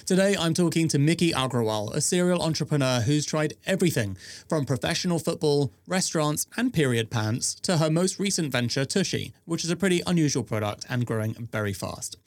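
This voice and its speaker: A man's voice: a little high, expressive, brisk, no room sound. A man hosting a podcast, reading an upbeat scripted intro and then asking loose conversational questions. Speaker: podcast host.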